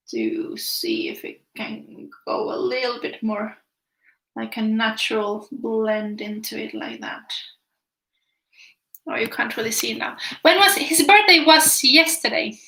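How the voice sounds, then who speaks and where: Finnish lady chatting to her stream while painting, kinda high voice, echoey room. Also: pushed and bright. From Finland. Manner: chatty, reads viewer comments aloud. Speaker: art teacher streaming live. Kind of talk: casual chat while painting.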